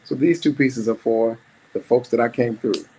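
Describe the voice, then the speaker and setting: A man's voice: mid-range voice, moderate pace, mellow, slight background noise, poor audio. A middle-aged man performing spoken-word storytelling at an open mic, dramatic, with rhythmic repetition.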